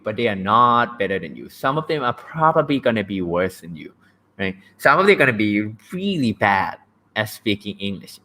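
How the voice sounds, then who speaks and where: A man's voice: fairly low pitch, a bit bright. Blunt Thai man chatting on a livestream. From Thailand. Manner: blunt, joking, keeps asking "right?". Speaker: livestream host. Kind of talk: casual livestream talk on language learning.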